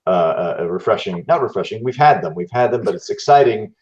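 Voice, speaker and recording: A man's voice: fairly low pitch, lively intonation, a little fast, a little mellow. A man chatting casually on a podcast with a wry, teasing manner, on dull audio. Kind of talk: casual chat.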